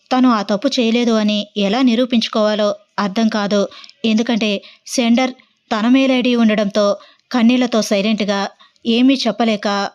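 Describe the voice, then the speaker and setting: A woman narrating an audio story in a steady, plain reading voice. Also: on the high side, muffled recording.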